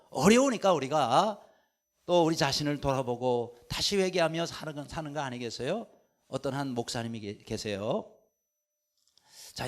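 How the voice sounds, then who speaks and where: A man preaching a Sunday sermon as senior pastor, telling an anecdote and acting out the quoted dialogue with lively swings in voice. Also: on the high side.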